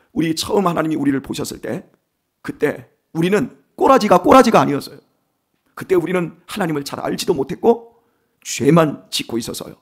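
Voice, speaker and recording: A man preaches an early-morning sermon in a husky, slightly higher voice. His pitch moves a lot as he turns to the congregation with questions. He drops into quiet asides, then rises to emphatic declarations. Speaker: pastor. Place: church sanctuary.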